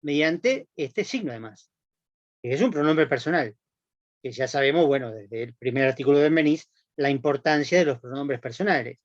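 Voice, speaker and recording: A man's voice: a little high, animated, moderate pace, no room sound, dull audio. A man with a Rioplatense accent giving a recorded university class, explaining step by step and often checking in with his students. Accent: Rioplatense Spanish. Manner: explanatory, frequent checking tags "¿no?" and "¿sí?". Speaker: university lecturer.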